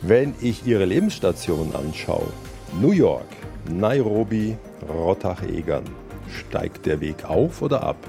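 Gravelly low male radio host. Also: very animated, slow, over music. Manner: wry, probing questions. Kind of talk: radio interview. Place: on location by a lake.

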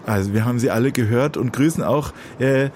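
A man hosting a radio call-in show, calm and conversational as he reads messages and talks to callers. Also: medium pitch, brisk, noisy background. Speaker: radio host.

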